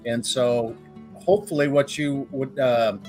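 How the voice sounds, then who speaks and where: A man's voice: mid-range voice, fairly even intonation, measured pace, a little mellow, faint music behind. A man hosting a live question-and-answer show, talking casually and telling jokes in a folksy way with plenty of fillers. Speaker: host.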